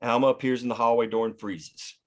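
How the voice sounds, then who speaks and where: A man's voice: mid-range voice, steady tone, a little fast. A man reading scripted stage directions as the narrator of a screenplay table read.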